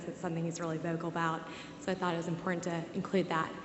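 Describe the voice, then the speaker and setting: A woman speaks with an American accent in a recording with audible room echo and noticeable background noise. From Texas. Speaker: design contestant. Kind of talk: design presentation on stage.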